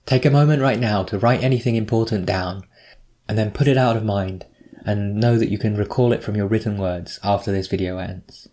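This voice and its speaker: A man narrating a scripted guided meditation, giving measured, instructive prompts with pauses between them. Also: lowish voice, mellow, slight background noise.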